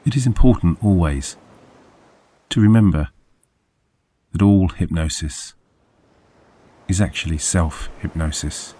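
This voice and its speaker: A man narrating a scripted guided sleep meditation as a hypnosis guide, soothing and measured, with deliberate phrasing. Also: low-pitched, warm tone.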